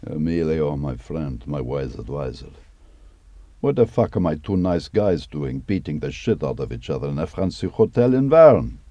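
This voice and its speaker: A man's voice: extremely low pitch, sing-song, normal speed, mellow, no room sound, dull audio, full character voice. A man reading an audiobook, voicing a coarse, foul-mouthed Russian crook with a growling delivery and a Russian accent. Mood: mocking outrage. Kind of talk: audiobook character voice.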